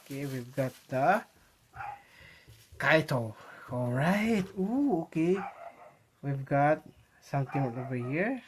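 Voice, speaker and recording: Filipino guy doing a casual unboxing vlog, mid voice, keeps repeating himself n thinking out loud, bit of background noise. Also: medium pitch, big pitch swings. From Philippines. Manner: halting, repetitive, thinking aloud. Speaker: vlogger. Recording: noisy home recording with clicks.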